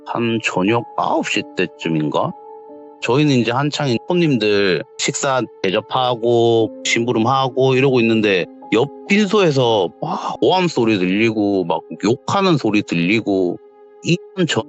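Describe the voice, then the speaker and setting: A young man, casually telling a true ghost story in a quietly dramatic, conversational way. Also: medium pitch. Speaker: guest storyteller. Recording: lo-fi audio with faint music.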